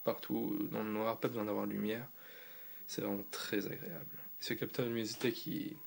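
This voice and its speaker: Casting: man, casual gadget reviewer, gravelly edge, rambling delivery. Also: lowish voice, level tone, brisk. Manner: loose and rambling, with fillers and restarts. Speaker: tech reviewer.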